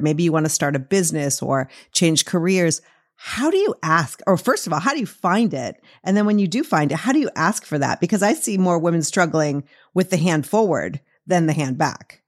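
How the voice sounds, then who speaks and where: A woman hosting an interview podcast, asking questions in a conversational way. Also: sits low. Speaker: podcast host.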